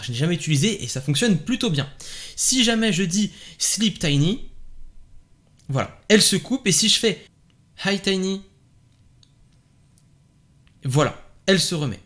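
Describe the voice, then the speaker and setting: A man's voice: high-pitched, sing-song, fast talker, a bit bright. A man giving a casual, enthusiastic product review from his home desk, chatting with lots of little fillers. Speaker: tech reviewer. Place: home desk setup with LED lights behind him.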